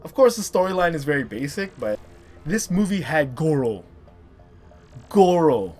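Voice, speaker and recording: Man, thirties, raised pitch, animated countdown host, casual reviewer, playful hype, light music behind. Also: measured pace. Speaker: host of a top three video series.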